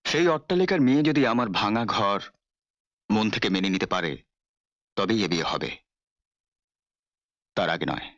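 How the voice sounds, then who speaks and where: An actor playing a proud, poor young artist who speaks with dignity in a film drama. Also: male voice, lowish voice, expressive, normal speed, pauses often, a bit bright, no room sound, muffled recording. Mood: firm. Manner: dignified, defiant. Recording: dry film soundtrack with faint music.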